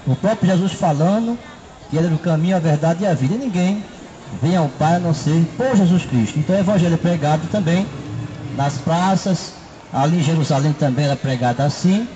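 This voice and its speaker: High-voiced street preacher. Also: male voice, fairly quick, dull audio, noisy background. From Brazil. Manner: repetitive, fills with "né" and "não é". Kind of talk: open-air sermon. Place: city park square, outdoors. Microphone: handheld microphone.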